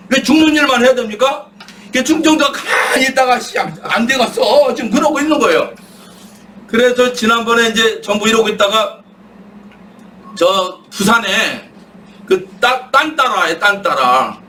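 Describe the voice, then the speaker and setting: A middle-aged man giving an impassioned political talk, asking rhetorical questions and answering them himself, sometimes shouting when worked up. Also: sits high, slight background noise. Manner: rhetorical, asks and answers his own questions. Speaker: guest speaker. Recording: distant mic with faint room ambience.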